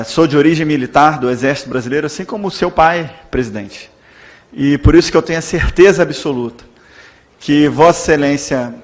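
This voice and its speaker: A Brazilian Portuguese-speaking man addresses the chair in a formal, measured and deferential tone. His voice sits slightly high for a man. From Brazil, born in Salvador. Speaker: legislator. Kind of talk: parliamentary speech.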